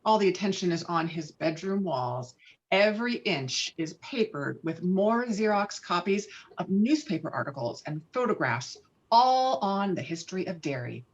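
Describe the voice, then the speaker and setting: A woman's voice: fairly low pitch, sing-song, normal speed. A woman reading screenplay stage directions as narrator at an online table read. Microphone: video call. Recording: dull lo-fi online call audio.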